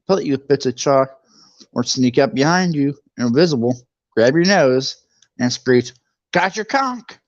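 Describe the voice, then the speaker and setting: A man's voice: mid-range voice, no room sound. Man reading a story aloud, chatty asides, dry close sound, lo-fi. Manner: chatty, breaks off for jokey asides. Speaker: reader of a book aloud. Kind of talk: casual read-along narration with asides.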